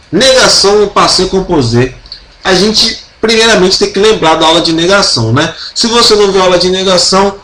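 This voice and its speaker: A Brazilian man with a fairly high voice leads a relaxed French lesson, speaking very slowly and repeating each example with care. His chatty, joking asides keep it informal. The recording is roomy, with a faint hum behind him. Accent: Brazilian Portuguese. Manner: chatty, playful asides, slow careful repetition of example sentences. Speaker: French teacher. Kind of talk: casual online grammar lesson.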